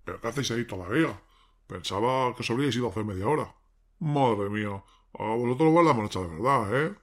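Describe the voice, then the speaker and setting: A man's voice: mid-range voice, animated, a little fast, fairly bright tone. A man playing a devilish podcast host from hell, teasing listeners in colloquial, casual speech. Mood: mocking, casual. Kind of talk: casual in-character podcast sign-off.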